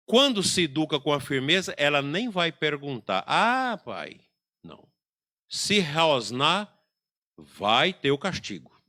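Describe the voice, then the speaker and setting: Animated, bright-voiced male bishop. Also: on the high side, a little slow. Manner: animated storytelling, acting out family scenes. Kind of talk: sermon.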